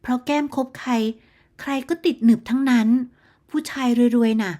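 A woman voicing a boastful, gossiping middle-aged neighborhood auntie in a storybook tale, with a shrill, smug, bragging manner. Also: expressive, normal speed, a little mellow. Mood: smug boasting. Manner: smug, shrill, bragging about her daughter. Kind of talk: storybook character voice.

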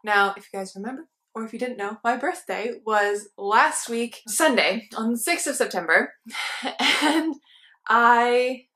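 A woman's voice: a little high, animated, a little slow, sharp tone. A woman in her twenties, a book vlogger talking casually to camera at home, chatty and laughing often between words. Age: 20s. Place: living room with armchairs and a plant.

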